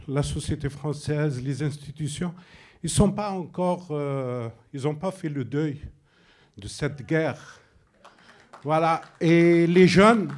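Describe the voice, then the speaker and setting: Slow, emphatic Algerian man speaking up. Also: fairly high pitch. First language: Arabic. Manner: emphatic, halting, with abrupt drops. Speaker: audience member, filmmaker. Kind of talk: public debate question from the floor.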